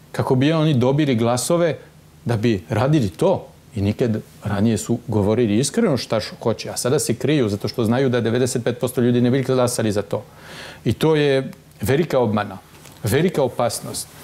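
A man at medium pitch with ordinary pitch variation, very even loudness and a fairly quick pace. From France. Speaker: humanitarian and election candidate; election candidate. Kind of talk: TV interview. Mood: earnest, persuasive. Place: studio. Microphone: lapel.

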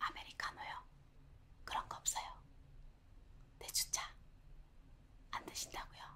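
A woman whispers in a gentle tone at a fairly slow pace. She leaves long, frequent pauses. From Korea. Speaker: ASMR creator. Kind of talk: ASMR role-play, hair salon. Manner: soft-spoken, gentle.

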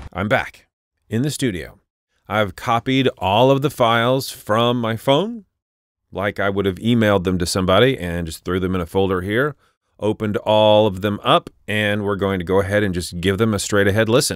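In a normal speaking voice, a man with a fairly low pitch and ordinary pitch variation talks at a moderate pace, the sound dry with no echo against a quiet background. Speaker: voice actor reviewing mics. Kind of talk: tutorial. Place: studio. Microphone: studio mic.

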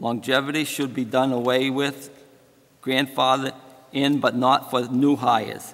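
At a fairly slow pace, a man delivers his words in a monotone, flat intonation. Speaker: council member giving subcommittee report. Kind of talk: reading meeting minutes. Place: hall. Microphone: podium.

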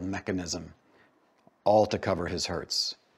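The man speaks at a moderate pace. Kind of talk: reading aloud then personal reflection. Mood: calm, reflective, some laughter. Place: home room.

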